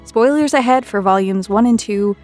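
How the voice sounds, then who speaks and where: Give this one to a woman hosting an interview. Her voice sits at a middle pitch for a woman, and she moves between prepared presenting and casual questions. Faint music plays behind her. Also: normal speed, darkish tone. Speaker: interviewer and host, associate producer. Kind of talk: scripted intro, then casual interview.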